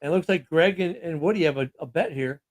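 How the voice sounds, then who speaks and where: Man, sports talk co-host, casual chatty, fillers, slightly high pitch. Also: quick pace. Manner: loose and chatty, with fillers and laughs. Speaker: podcast co-host.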